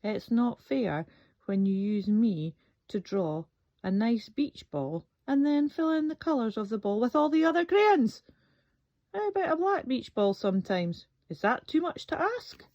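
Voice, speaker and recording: A woman's voice: fairly high pitch, sing-song, unhurried, a little mellow. A woman voicing a resentful, overlooked black crayon from a storybook, pleading in an aggrieved way. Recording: dull, echoey room recording.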